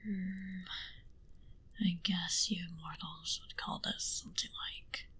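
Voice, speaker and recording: A woman playing an aloof, condescending centuries-old vampire in an ASMR roleplay, speaking in a soft breathy whisper with slow, deliberate haughtiness. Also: on the low side, fairly even intonation, exaggerated voice. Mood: teasing, confiding.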